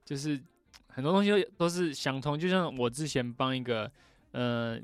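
Relaxed man. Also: medium pitch, moderate pace, smooth, no room sound. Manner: relaxed, reflective, laughs easily. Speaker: singer-songwriter guest. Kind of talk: casual conversation.

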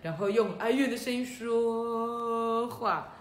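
A woman's voice: on the high side, slow pace. A woman voicing a timid little ghost pupil in a children's storybook, earnest and a little whiny. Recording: roomy echo, faint room noise.

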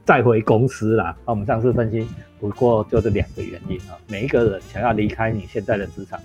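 A man hosting a casual podcast, chatty and quick to chime in. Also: fairly low pitch, fairly even intonation, a little mellow. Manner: chatty, frequent agreeing interjections. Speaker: podcast host. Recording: dull lo-fi sound with faint music.

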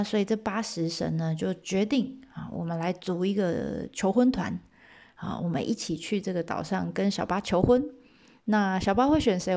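A woman telling an old myth in a chatty, lively way with asides to her listeners. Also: on the low side. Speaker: storyteller. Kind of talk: casual myth storytelling.

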